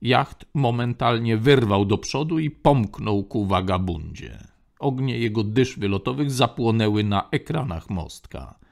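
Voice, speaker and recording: A man narrates an audiobook in a steady, even reading. His voice sits low and carries gravel. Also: unhurried. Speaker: audiobook reader.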